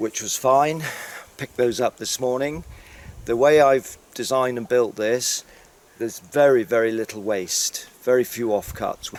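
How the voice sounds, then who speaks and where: A man speaks with an English accent at a medium pitch. His intonation is fairly even and his pace fairly slow. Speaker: woodworker. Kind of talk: tutorial. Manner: low energy.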